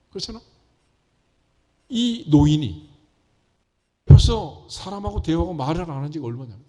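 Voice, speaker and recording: Husky-voiced pastor with lively pitch. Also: male voice. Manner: folksy, asks the congregation rhetorical questions. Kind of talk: conversational sermon.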